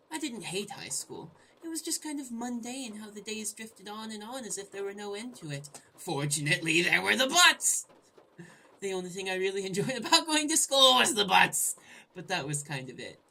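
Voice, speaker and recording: A woman's voice: fairly low pitch, pushed and bright, breathy edge. A woman hosting a gaming video, playfully reading the script aloud and commenting with irreverent, sudden exclamations. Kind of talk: let's play commentary, joking read-aloud narration.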